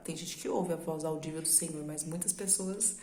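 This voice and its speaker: A woman's voice: low voice, normal speed, mellow, roomy sound, a little hiss or hum. A woman with a Brazilian Portuguese accent, preaching a sermon in a conversational, explaining way that uses rhetorical questions. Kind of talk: sermon teaching.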